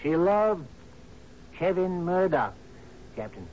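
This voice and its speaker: An actor playing a loyal, remorseful friend to a sea captain in a 1970s radio drama, earnest and given to dramatic pauses. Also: male voice, high voice, big pitch swings, darkish tone, full character voice. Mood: solemn, confessing. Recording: dull noisy vintage radio broadcast.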